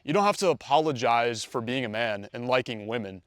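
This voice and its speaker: A man talks straight to the camera as a dating coach, confident and conversational. His voice sits at an ordinary middle pitch. The sound is close and dry, with no room echo. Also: lively intonation, brisk, a bit bright, clean tone. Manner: confident, conversational, acts out quoted dialogue. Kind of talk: direct-to-camera coaching video.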